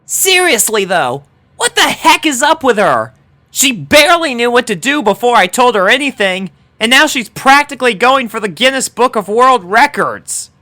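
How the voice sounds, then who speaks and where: A man voicing a cocky, dramatic, competitive tomboy schoolgirl with a forceful delivery in a story reading. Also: extremely high pitch, sing-song, moderate pace, pitched above the performer's own voice, full character voice. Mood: irritated.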